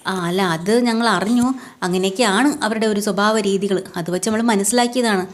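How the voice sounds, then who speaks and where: A scheming middle-aged mother who pushes others around and turns on dramatic wailing when it suits her, as a woman retelling a serial puts her on. She speaks at an ordinary pitch, her manner forceful and theatrical. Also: a little fast, a little hiss or hum, close to an everyday voice. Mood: pleading. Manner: pushy and dramatic, wailing in fake distress.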